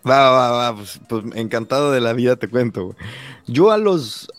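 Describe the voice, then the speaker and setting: A Mexican man in his thirties, a podcast host telling his story in a relaxed chat, acting out quoted lines with lively voices. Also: medium pitch, normal speed, dry recording, soft background music. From Mexico, San Luis Potosí. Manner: animated, acts out quoted dialogue, says güey constantly. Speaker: podcast host being interviewed. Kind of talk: casual conversation.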